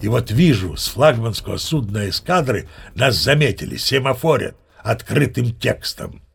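A man's voice: mid-range voice, expressive, moderate pace, gravelly, fairly bright tone, breathy edge, full character voice. An actor playing a boastful old sea captain, chatting to the listener as he spins tall tales in an audio play. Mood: boastful storytelling. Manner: chatty, self-satisfied storyteller addressing the listener. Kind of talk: audio play storytelling monologue.

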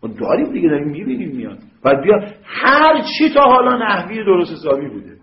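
A man teaching grammar in a lively classroom lecture, often checking understanding with quick rhetorical questions. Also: high-pitched. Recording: echoey, dull lo-fi room recording.

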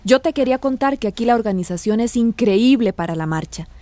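A woman's voice: fairly high pitch, expressive, a little fast, mellow, no room sound, lightly acted. An actress playing an affectionate mother in a radio drama, chatting tenderly with her son and talking with concern on the phone to an old friend. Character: warm affectionate middle-aged migrant mother.

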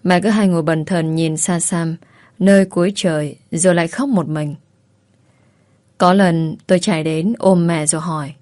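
A woman narrating a first-person audiobook story in a calm, measured way. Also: lowish voice, dry recording, studio quality.

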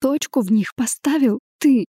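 A woman's voice: sits high, lively intonation, normal speed, warm tone, slightly rough, dry recording, clean studio sound, voice pushed up, heavily acted. A woman voicing a frightened but defiant young heroine, tearful and pleading.

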